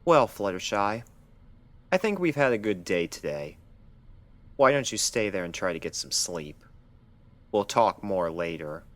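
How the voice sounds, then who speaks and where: A man voicing a guarded male doctor pony questioning a patient in a story reading, stiff and measured. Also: fairly low pitch, big pitch swings, no echo, pitched above the performer's own voice. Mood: guarded, clinical. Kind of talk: dramatized fan fiction reading.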